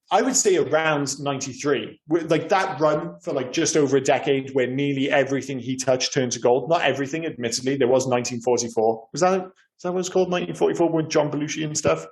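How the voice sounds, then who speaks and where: A man's voice: medium pitch, a little mellow, poor audio. A man from Wales with a Cardiff accent, co-hosting a casual film podcast and talking over a remote call, chatty and prone to swearing and doubling his words. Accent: Cardiff Welsh. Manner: chatty, swears freely, stammers on repeated words. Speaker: podcast co-host.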